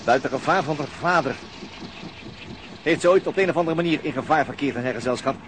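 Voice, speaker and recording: An actor playing a troubled, conscientious police detective, earnest and brooding, in a radio drama. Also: male voice, a little high, fast talker, a bit bright, a little hiss or hum, lightly acted. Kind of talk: Dutch radio drama acting.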